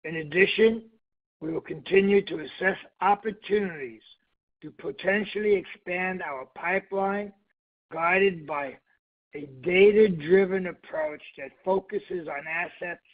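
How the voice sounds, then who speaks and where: A man's voice: sits high, measured pace. A man speaking formally and emphatically as a company executive on an earnings call, over a muffled phone line. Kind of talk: scripted corporate presentation, then brief remarks.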